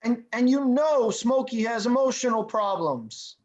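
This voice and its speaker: A woman's voice: fairly high pitch, animated, measured pace, darkish tone, highs cut off. A woman acting a laid-back but exasperated male slacker in a script read, casual, hesitant and sweary. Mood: weary, placating. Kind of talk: acted table read of a film script.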